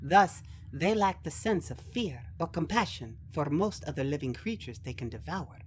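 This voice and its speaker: A man's voice: on the high side, expressive, normal speed, slight background noise, pitched above the performer's own voice, lightly acted. A man voicing an earnest, analytical young male alien in an audio drama, precise and formal in speech.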